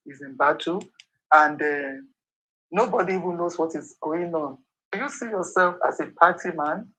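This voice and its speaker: A woman's voice: low voice, fairly bright tone, poor audio. A woman, hosting and asking questions in a conversational interview style. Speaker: interviewer, talk show host.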